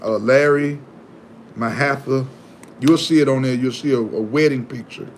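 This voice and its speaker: Animated, preachy man on a live stream. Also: medium pitch, moderate pace, slight background noise. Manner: preachy, animated, repeats himself. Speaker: livestream host. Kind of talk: casual live-stream chat.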